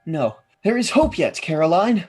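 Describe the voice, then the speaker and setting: An actor playing a worried husband in debt, earnest and grave, in a radio drama. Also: male voice, sits high, sing-song, normal speed, darkish tone, husky, heavily acted. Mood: grave hope. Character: worried, debt-ridden husband, gently hopeful.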